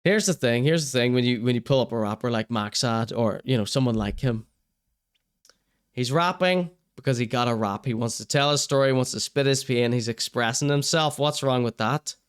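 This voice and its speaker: A man's voice: mid-range voice, normal speed, clear, resonant tone. A young man with a Northern Irish accent hosting a live stream, reading chat comments and giving blunt, wry opinions. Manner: wry, blunt, swears casually, laughs at his own jokes. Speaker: show host.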